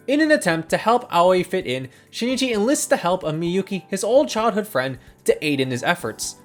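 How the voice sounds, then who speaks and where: Lively, earnest review narrator. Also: medium pitch. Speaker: video essay reviewer.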